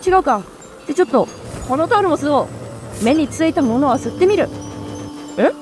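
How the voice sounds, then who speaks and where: Bubbly high-voiced woman streamer. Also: soft background music. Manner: excitable, chatty, quick exclamations. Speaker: let's play streamer. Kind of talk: live gameplay commentary.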